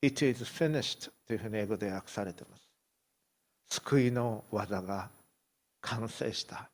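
A man's voice: on the low side, fairly even intonation, normal speed. A middle-aged male pastor preaching a sermon, retelling a story vividly and with emphasis.

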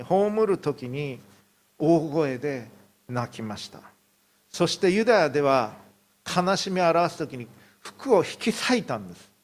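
A male pastor preaching a sermon, telling a story and acting out the people in it. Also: mid-range voice. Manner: storytelling, acts out quotes.

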